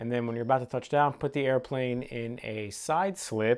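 The background stays quiet. A man delivers his words at a fairly quick pace, his pitch varying in an ordinary way. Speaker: pilot instructor. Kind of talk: tutorial. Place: home room.

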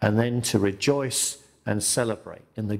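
A man's voice at a fairly slow pace with ordinary pitch variation. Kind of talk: sermon. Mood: warm, gentle, encouraging. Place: church. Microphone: lapel.

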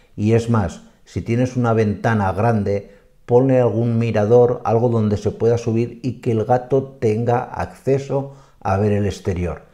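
Over a quiet background, the voice moves at a fairly slow pace with fairly even intonation and a dark, mellow tone. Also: man, medium pitch for a man. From Spain. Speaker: veterinarian YouTuber; presenter. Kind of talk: tutorial. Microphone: webcam.

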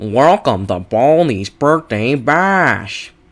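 Doing a put-on character voice, a man speaks at a very slow pace with a medium pitch.

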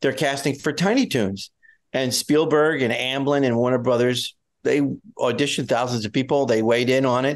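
A man with a medium pitch talks at a moderate pace, his loudness very even and his intonation fairly even, with a quiet background behind him. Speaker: voice actor. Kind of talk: interview answer. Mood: warm, reflective. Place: home room. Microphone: video call.

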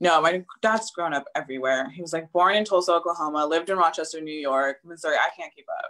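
A woman with an American accent talks at a very fast pace with hardly any pauses, in a fairly low pitch with ordinary pitch variation and a bright, sharp tone. Her loudness swings widely over a quiet background. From Los Angeles area, California; California. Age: 20s. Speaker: thriller author; interviewee. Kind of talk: interview. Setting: live stream. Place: home room. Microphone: video call.

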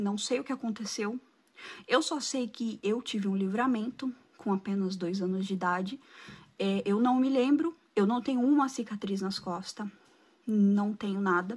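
With a Brazilian accent, a woman talks at a moderate pace, leaving long, frequent pauses. Her voice is fairly high-pitched and somewhat breathy, with ordinary pitch variation. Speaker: video creator sharing spiritual stories. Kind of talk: ghost story telling, first-person account of a family supernatural tale. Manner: hushed, suspenseful and earnest, with a solemn storytelling cadence; emotional, stressing vivid details. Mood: earnest, intimate storytelling. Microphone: phone near.

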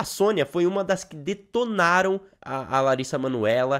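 Over a quiet background, a man with a Brazilian accent speaks at a fairly high pitch with lively intonation. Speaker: celebrity gossip YouTuber. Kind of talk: casual commentary to viewers. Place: home room. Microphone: studio mic.

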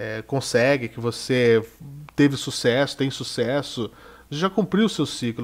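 This man has a normal speaking voice at medium pitch. He talks at a moderate pace. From Araraquara, São Paulo state, Brazil. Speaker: radio journalist and stand-up comedian. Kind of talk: interview.

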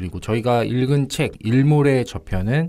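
Very slow in pace, a man speaks with a dark, mellow tone. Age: 30s. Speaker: book podcast co-host. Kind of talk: casual book review chat.

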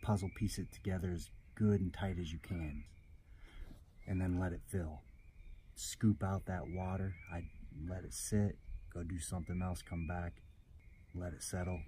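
A man with a very deep, low voice speaks at a moderate pace, somewhat breathy. He takes long, frequent pauses over light background noise. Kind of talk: tutorial. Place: waterside.

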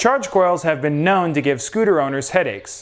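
The voice belongs to a man. The background is quiet. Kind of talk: tutorial. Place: workshop. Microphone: lapel.

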